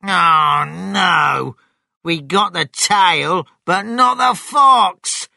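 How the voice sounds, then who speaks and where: A storybook narrator voicing an angry, excitable male farmer with a barking, forceful manner. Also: mid-range voice, takes it slowly, no echo, studio quality, full character voice. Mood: angry, shouting. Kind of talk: children's storybook character voice.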